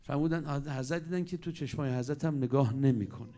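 A man preaching a sermon, telling stories with sudden swings between loud and hushed delivery. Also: a little high.

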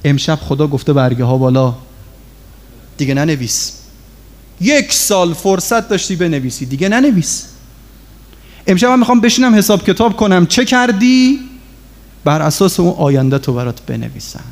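A man's voice: high-pitched, animated. A man preaching an emotional religious sermon, pleading with and speaking straight to his congregation. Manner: fervent, pleading, addressing listeners directly.

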